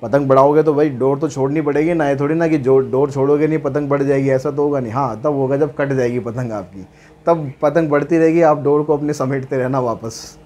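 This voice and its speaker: A man's voice: mid-range voice, fairly even intonation, a little mellow. A man teaching maths, explaining problems step by step in a chatty way, asking and answering his own questions. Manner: reads English problem text slowly and deliberately.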